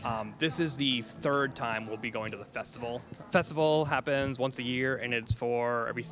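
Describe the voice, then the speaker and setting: A man, a drama teacher, casually explaining a school play festival in an interview, with frequent fillers. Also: lowish voice. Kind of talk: interview answer. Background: music.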